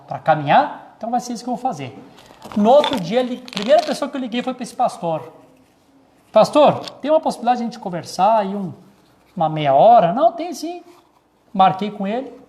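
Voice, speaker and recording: A male pastor tells a story from the pulpit in a fairly high voice. He circles back, restarts phrases and repeats key words as he preaches. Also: a little mellow. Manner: storytelling, many repetitions and restarts. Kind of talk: sermon testimony.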